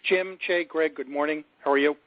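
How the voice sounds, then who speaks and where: A man, a financial analyst, asking a roundabout, halting question on an earnings call. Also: a little high, fairly even intonation, no room sound. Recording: tinny, dry phone line.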